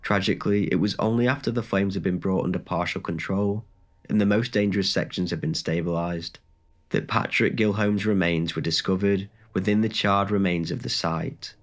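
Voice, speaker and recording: A man with a bad cold, reading a scripted documentary narration in a measured, even way as the channel's host. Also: low voice.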